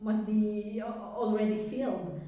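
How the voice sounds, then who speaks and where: A woman's voice: medium pitch, fairly even intonation, unhurried, dark tone. A Filipino woman with a Filipino accent answers interview questions conversationally, often repeating words and restarting her phrases. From Philippines. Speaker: interviewee giving a testimonial. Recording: echoey room, distant microphone.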